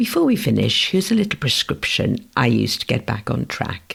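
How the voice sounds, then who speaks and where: Speaking at a moderate pace, a man talks in a Welsh accent. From Wales. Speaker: writing course instructor. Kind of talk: tutorial.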